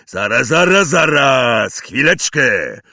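A man voicing Hagrid, a huge, hot-tempered male half-giant in a storybook reading, booming, slow and emphatic. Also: huge pitch swings, gravelly, fairly bright tone, no echo, studio quality, heavily acted. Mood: angry.

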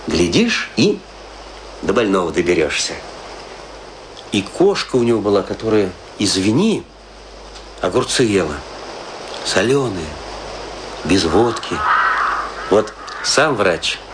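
Low, swooping, morbidly wry storyteller. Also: male voice, very animated, slow pace, pauses often, noisy background. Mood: mocking, gossipy. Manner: theatrical, ironic, rhetorical questions, dramatic swings. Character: chatty, morbidly wry man musing over death and graves. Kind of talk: theatrical radio play monologue, conversational Russian storytelling.

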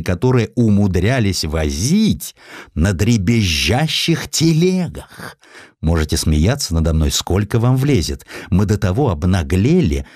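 A man's voice: fairly low pitch, a little mellow, no echo, pitched above the performer's own voice. Reckless officer telling memoirs male reader acting, wry and incredulous, audiobook storytelling, dry close recording. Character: wry, reckless Swedish officer recalling his past adventures.

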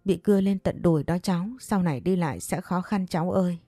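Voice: medium pitch, quick pace, warm tone, no echo, clean studio sound, lightly acted. A woman voicing a grieving middle-aged mother who speaks tearfully about her injured son.

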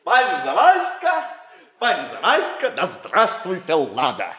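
An actor playing a pompous young messenger who speaks in a solemn, declamatory way, in a 1960s radio comedy style. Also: male voice, high-pitched, wildly swooping pitch, slow pace, bright, forceful tone, exaggerated voice.

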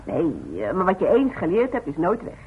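A woman's voice: lowish voice, big pitch swings, brisk, husky, phone-quality sound, heavily acted. An actress playing a devoted, worried woman who is firm and direct, in a naturalistic radio play on an old recording. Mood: brisk, coaxing. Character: devoted, plain-spoken, worried woman coaxing her stubborn father.

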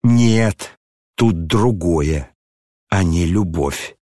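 A man reading an audiobook, voicing a gentle, troubled young nobleman who speaks earnestly and pleadingly. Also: low voice, lively intonation, very slow, no echo, studio quality, pitched below the performer's own voice, full character voice.

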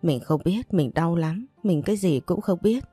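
A woman's voice: lowish voice, animated, normal speed, warm tone, breathy edge, soft background music. A woman reading an audiobook and voicing a heartbroken young wife, choked and self-blaming. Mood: grieving.

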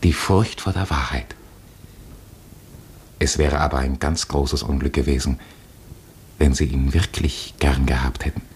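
A man acting as an earnest, consoling Catholic chaplain in a radio play, with measured, gentle solemnity. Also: extremely low pitch, fairly even intonation, a little hiss or hum.

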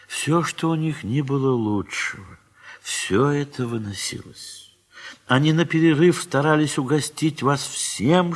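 An actor as a reflective, affectionate literary narrator in an audio drama. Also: male voice, mid-range voice, full character voice. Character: reflective, affectionate male literary narrator recalling old friends.

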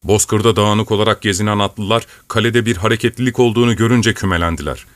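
A man reading a classic novel aloud as an audiobook narrator in a measured, even storytelling manner. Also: fairly low pitch, no echo, studio quality. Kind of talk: scripted narration.

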